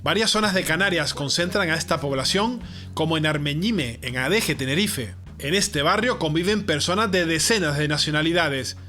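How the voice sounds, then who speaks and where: Man, documentary narrator, scripted delivery, slightly high pitch, clear music bed. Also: lively intonation, normal speed, pushed and bright.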